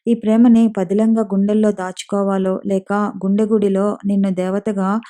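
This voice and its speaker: A woman's voice: mid-range voice, little pitch movement, moderate pace, mellow, lightly acted. A woman reading the lines of an earnest young man who tenderly pleads his love in a storybook.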